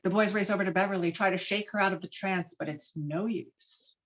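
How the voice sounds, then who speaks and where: A woman reading screenplay stage directions with dramatic, expressive delivery over a video call. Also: mid-range voice, a little fast, lo-fi sound. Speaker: stage directions reader at a table read.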